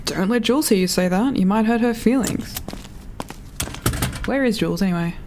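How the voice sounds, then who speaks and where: A woman's voice: medium pitch, moderate pace, background noise, natural voice. An actress playing an anxious, wry young woman building a rocket and keeping an audio log in a sci-fi drama, polite and a little self-doubting. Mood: wry, distracted. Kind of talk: audio drama monologue as spoken recording.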